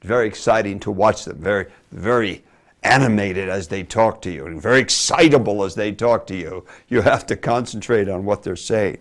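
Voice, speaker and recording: A man giving a teaching lecture on preaching delivery, animated and demonstrative, dropping from loud emphasis to hushed asides. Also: lowish voice, moderate pace. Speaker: Bible teacher.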